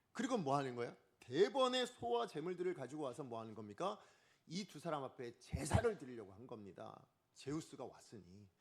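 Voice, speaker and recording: Lively, animated male pastor preaching. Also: on the high side. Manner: lively, asks the congregation questions and acts out quotes. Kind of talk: Sunday morning sermon. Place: church sanctuary.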